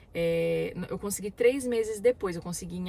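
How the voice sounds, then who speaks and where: Here a woman speaks in an animated tone. Her pace is moderate. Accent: Brazilian. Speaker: vlogger. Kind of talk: casual vlog talk. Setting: outdoors. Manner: soft-spoken. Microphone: car Bluetooth audio, poor quality.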